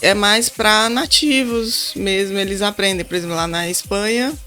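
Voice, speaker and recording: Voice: mid-range voice, normal speed, pushed and bright, soft background music. A Brazilian guest on a podcast, explaining differences between languages at length in a casual, patient way. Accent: Brazilian Portuguese. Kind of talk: casual chat.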